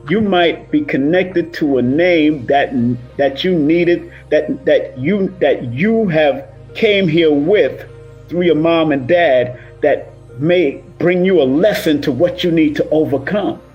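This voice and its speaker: A man of Cuban and Jamaican heritage with a slightly high voice speaks slowly, livestreaming as a numerologist in a casual motivational monologue to viewers. He is emphatic and repetitive and rolls his R's. The audio is dull, with faint music behind him.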